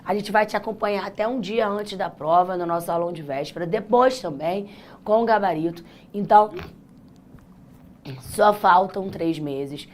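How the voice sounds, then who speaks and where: Hoarse, husky Brazilian woman teacher. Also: medium pitch, normal speed, darkish tone. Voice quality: naturally husky, raspy. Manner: chatty, encouraging, addresses students directly. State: hoarse, voice worn out. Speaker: chemistry teacher hosting a live exam-prep class. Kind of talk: live online lesson, informal pep talk.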